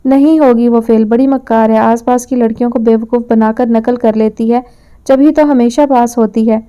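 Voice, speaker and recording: A woman's voice: fairly high pitch, steady tone, dark tone, smooth, natural voice. A woman reading as a scornful scheming mother. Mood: scolding. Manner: scornful, scolding. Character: scheming, sharp-tongued middle-aged mother. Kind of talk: audio novel reading.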